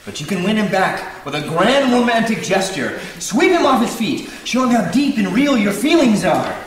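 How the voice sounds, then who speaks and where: A man playing an excitable, self-pitying young man in an animated sitcom read, whiny and melodramatic. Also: high voice, moderate pace. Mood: determined. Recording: distant, very echoey, noisy room.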